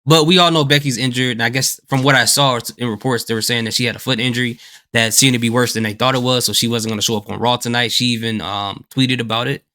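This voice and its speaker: Bright, chatty man reacting to wrestling. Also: medium pitch, fast. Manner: relaxed, chatty, stammering restarts. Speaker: reaction video host. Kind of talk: casual reaction commentary.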